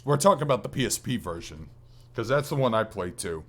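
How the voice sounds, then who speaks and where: A man with a fairly low-pitched voice co-hosts a gaming podcast. He talks in a casual, colloquial way, with clear enthusiasm and the odd mild swear word. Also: expressive, brisk. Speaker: podcast co-host.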